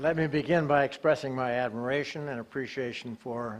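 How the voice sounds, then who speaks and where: A man speaks at a fairly quick pace in a medium pitch with ordinary pitch variation, and noticeable background noise can be heard. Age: 80s+. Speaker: retired university president. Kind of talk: panel presentation.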